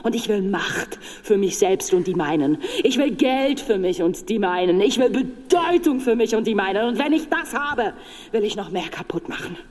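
Radio play role: actress as a power-hungry female rally speaker, blunt and declamatory, mid-pitched, in long hall reverb. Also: lively intonation, moderate pace, a little mellow, lightly acted. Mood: defiant, greedy. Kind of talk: political speech in radio drama.

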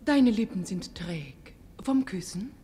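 A tender young sweetheart in a classic radio drama. Her voice is soft, breathy and mellow, with slow, plaintive, wistful phrasing. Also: medium pitch, animated, heavily acted. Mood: tender, coaxing. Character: tender, wistful young woman, prince's neglected lover. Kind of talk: classic German radio play acting.

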